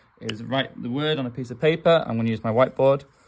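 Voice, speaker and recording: Using a Northern English accent, a man talks at a fairly quick pace in a medium pitch with ordinary pitch variation. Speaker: primary school teacher. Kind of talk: tutorial.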